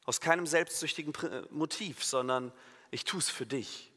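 A pastor giving a sermon, emphatic and lively, acting out imagined inner voices and now and then correcting himself mid-sentence. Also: male voice, fairly high pitch, normal speed. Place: church hall. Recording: long reverb of a church hall.

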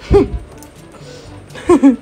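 A young woman giving excitable casual commentary while playing a mobile game at home, swearing and talking to herself and her viewers. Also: very slow, over music.

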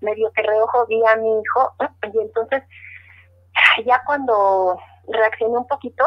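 A woman's voice: a little high, steady tone, unhurried. A middle-aged woman, earnestly telling a personal story in an interview, repeating words as she recalls it. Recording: dull lo-fi audio.

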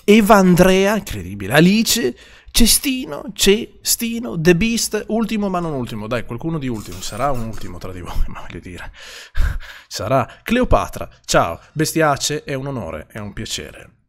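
Lively Italian streamer man chatting. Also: a little high. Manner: lively, swears casually, reads chat names quickly. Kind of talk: casual live-stream chat.

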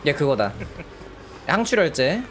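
Excitable streamer man, very lively pitch. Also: a little slow, slight background noise. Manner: excitable, bursts into loud surprised exclamations. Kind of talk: casual live gameplay commentary. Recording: game music behind the voice. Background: game music.

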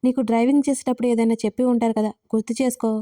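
A woman's voice: fairly high pitch, steady tone, rapid-fire, mellow, close to an everyday voice. A woman voicing a distraught, anxious young woman in an audio story, speaking urgently. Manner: urgent, pleading.

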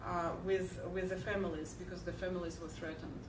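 A woman's voice: lowish voice, fairly quick. Woman, 30s, keynote lecturer; earnest, filler-heavy; distant, echoey hall, hum. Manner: earnest, many fillers and restarts, animated when telling a joke. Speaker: keynote speaker. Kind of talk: lecture answering audience questions. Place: large lecture hall, at a podium. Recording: echoey hall, heard from far off, clear background hum.

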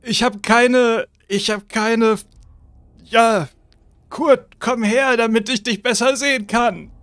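A hoarse, decaying zombie uncle, put on by a man running a tabletop game, pleads and coaxes in a high voice, stumbling over his words. The sound is dry and close, with no room around it. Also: fairly even intonation, fairly bright tone, no room sound, heavily acted. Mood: coaxing. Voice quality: hoarse, strained voice. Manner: pleading, repeats the name, halting restarts. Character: undead zombie uncle, decayed, coaxing and weary.

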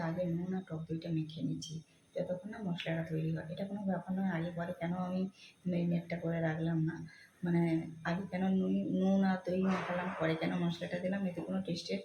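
A woman, speaking softly as she explains a home cooking vlog step by step. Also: fairly low pitch, a little hiss or hum, rough recording. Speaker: cooking vlogger. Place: home kitchen.

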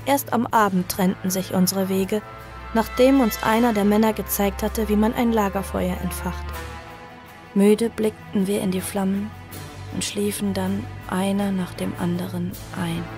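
A woman playing a young survivor who tells her own story in an audio drama, earnest, sorrowful and measured. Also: mid-range voice, fairly even intonation, over music, lightly acted. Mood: measured, wistful. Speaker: narrator and protagonist. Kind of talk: audio drama first-person narration.

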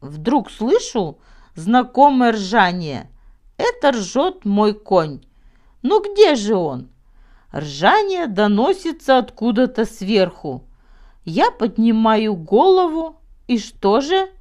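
A woman's voice: on the high side, sing-song, takes it slowly, darkish tone. A woman voicing a proud old baron who tells tall tales in an earnest, self-important storybook manner. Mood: amazed, boastful.

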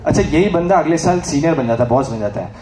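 A man's voice: a little high, fast talker. A young man doing a stand-up mimicry act as a student comedian on a large stage, speaking into a handheld mic and breaking into impressions and sung lines. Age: young adult. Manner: lively, switches into celebrity impressions and sung lines. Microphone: handheld mic, recorded from far in the audience. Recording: echoey hall, loud crowd noise. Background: laughing, cheering crowd.

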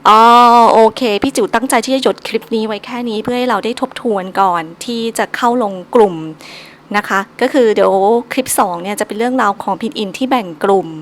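A woman's voice: fairly high pitch, fast. Patient woman teacher drilling syllables. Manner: patient, drills syllables by repeating each three times. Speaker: Chinese language teacher. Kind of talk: recorded online lesson, solo.

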